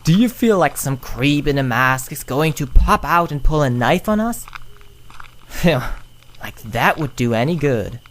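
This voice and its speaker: A woman's voice: low voice, lively intonation, measured pace, a little hiss or hum. A woman playing a stubborn, breezy hiker in a scripted horror-show skit, nonchalant and a little defensive about being lost. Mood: amused, casual. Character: stubborn, breezy hiker who insists they aren't lost. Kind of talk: scripted character banter for a horror story show.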